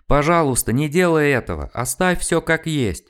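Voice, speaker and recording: A man's voice: fairly high pitch, animated, moderate pace, a bit bright, clean tone, voice pushed up. A man voicing a woman's anxious, prim inner voice of caution in an audiobook, pleading and alarmed.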